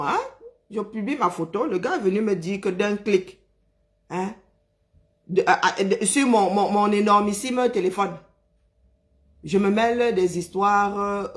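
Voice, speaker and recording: A man from Cameroon, ranting on a live stream, agitated and indignant, hammering his points home by repeating phrases. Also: sits high. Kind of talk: angry live-stream rant.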